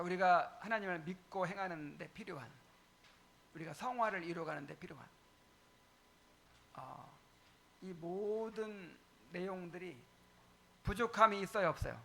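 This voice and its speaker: A male pastor teaching a catechism sermon, asking the congregation questions, repeating key points for emphasis, with frequent pauses and fillers. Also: high-pitched, bright, forceful tone.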